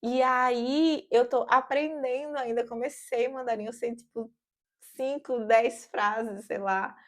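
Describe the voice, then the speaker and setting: A woman's voice: fairly high pitch, slow pace. A woman in her thirties from Brazil with a Brazilian Portuguese accent, chatting casually and animatedly in a vlog from her home office. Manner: chatty and animated, lots of fillers. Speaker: vlogger.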